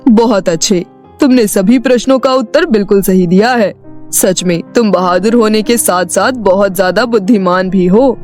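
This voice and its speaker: A woman voicing a magical talking house, a formal and commanding riddle-setting gatekeeper in an animated story. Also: mid-range voice, normal speed, close to an everyday voice. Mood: approving. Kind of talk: animated Hindi moral story acting. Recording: music behind the voice.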